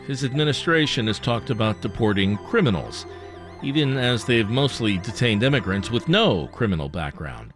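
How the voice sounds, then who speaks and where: A man anchoring a radio newscast, reading in a relaxed, conversational way with small fillers. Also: medium pitch. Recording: music bed behind the voice.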